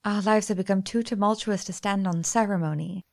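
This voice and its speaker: A woman playing a loving young fiancée, soft and intimate, in a radio play. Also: mid-range voice, steady tone, brisk, creaky, no room sound, clean studio sound, lightly acted. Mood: tender.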